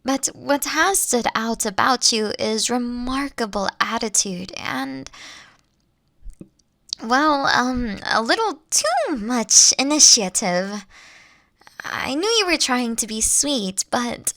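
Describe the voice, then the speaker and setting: A woman acts out a caring, doting female boss in an intimate audio roleplay. She speaks slowly and affectionately, coaxing and teasing, with a creaky edge to her voice. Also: on the high side, animated, fairly bright tone, no room sound, full character voice. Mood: fond, patiently exasperated.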